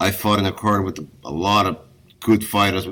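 The speaker has a Portuguese accent and a bright, sharp tone, talking at a moderate pace. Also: man. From Brazil, small town. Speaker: mixed martial arts fighter and coach. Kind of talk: interview. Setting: remote call.

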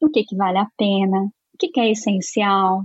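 A woman talks at a moderate pace in a medium pitch, her voice somewhat breathy. The sound is dry and close, with no echo. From Brazil, Minas Gerais (Triângulo Mineiro). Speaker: HR executive and mentor. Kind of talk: interview.

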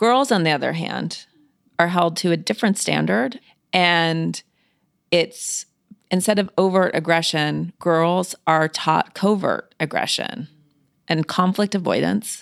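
A plain, everyday voice speaks at a fairly slow pace in a dry, close sound with no echo. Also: woman, fairly low pitch for a woman, ordinary pitch variation, very clean recording, silent background. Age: 40s. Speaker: journalist and author. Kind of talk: interview.

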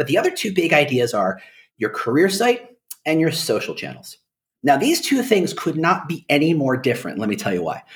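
Moving at a fairly quick pace, a man's fairly high voice makes very wide pitch swings and shows vocal fry. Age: 50s. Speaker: author of a business book. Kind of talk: podcast interview. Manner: animated.

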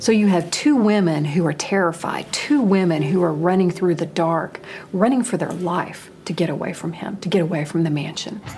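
Over noticeable background noise, a woman with a fairly low pitch talks at a moderate pace, using ordinary pitch variation and hardly any pauses. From Texas, Fort Worth. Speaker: attorney, former prosecutor. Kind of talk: interview.

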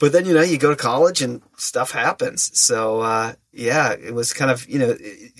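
With a Minnesota accent, a man talks at a fairly quick pace. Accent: Minnesotan American. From US Upper Midwest, Twin Cities suburb, Minnesota. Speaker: seminary professor. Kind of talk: interview conversation.

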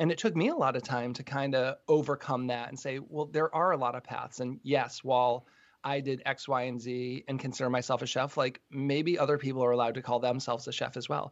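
An American-accented man with an ordinary speaking voice talks at a medium pitch and fairly quick pace, with fairly even intonation and hardly any pauses. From Massachusetts. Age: 40s. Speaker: chef and podcast host. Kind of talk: casual interview.

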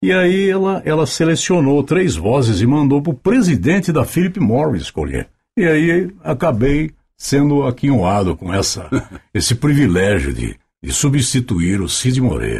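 At a fairly slow pace, a man speaks in a fairly high, somewhat breathy voice with very wide pitch swings. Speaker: voice-over artist. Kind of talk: interview.

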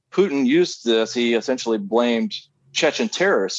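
A man with an American accent has a normal speaking voice at medium pitch with ordinary pitch variation. He speaks at a moderate pace against a quiet background. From US South. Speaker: political commentator. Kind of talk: casual chat.

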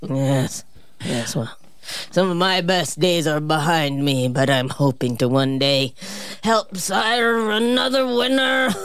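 Someone uses a put-on character voice at a middle pitch, speaking at a fairly slow pace. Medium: actual play. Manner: slow, genteel, nostalgic.

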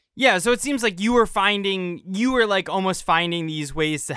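With an American accent and a bright, sharp tone, a man speaks on a very clean recording against a silent background. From United States. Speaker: podcast host. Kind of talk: casual interview.

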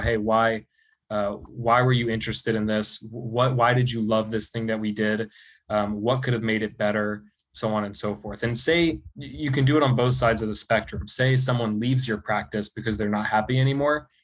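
Here a man talks in a normal speaking voice at medium pitch, at a moderate pace with fairly even intonation. The recording is very clean, with a silent background. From US (Ohio), moved from South Africa as a child. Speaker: marketing agency owner. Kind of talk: casual interview.

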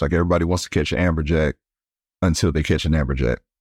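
With an American accent, the speaker talks at a very fast pace with vocal fry and fairly even intonation on a very clean recording with a silent background. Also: man. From southern Illinois (East St. Louis area). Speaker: charter fishing captain. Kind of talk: casual interview.

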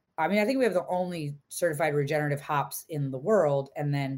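A woman with an American accent, very deep and low in pitch, at a fairly quick pace. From upstate New York. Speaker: regenerative farmer and restaurant owner. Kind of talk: interview conversation.

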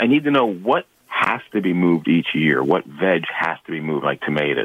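The pace is fairly quick. A man's pitch swings very wide. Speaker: caller. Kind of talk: call-in question. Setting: phone call.

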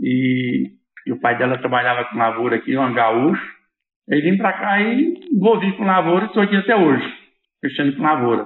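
A man speaks at a moderate pace. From interior of Goiás, Brazil. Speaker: agronomist and farmer. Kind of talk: interview.

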